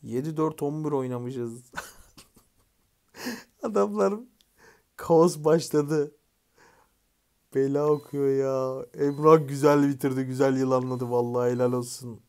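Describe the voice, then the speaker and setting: A man commentating his own mobile game match, chatting casually, swearing lightly and shouting orders at teammates. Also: medium pitch, steady tone, unhurried, long pauses. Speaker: gaming YouTuber. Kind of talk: live gameplay commentary.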